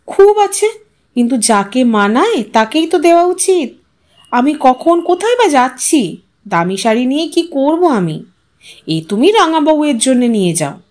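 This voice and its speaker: A woman's voice: high voice, big pitch swings, a little slow, darkish tone. A woman voicing an anxious, proud, tearful housewife with a pleading, protesting manner in a dramatised audio story. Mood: bashful protest.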